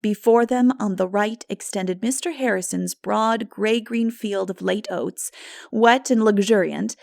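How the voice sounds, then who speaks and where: A woman reading literary narration as an audiobook narrator, in an expressive, measured storytelling manner. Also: mid-range voice, vocal fry, dry recording, clean studio sound.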